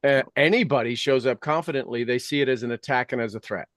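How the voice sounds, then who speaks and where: A man's voice: medium pitch, fast, dry recording, studio quality. A middle-aged or older man talking conversationally like a coach, emphatic and repeating phrases to drive points home.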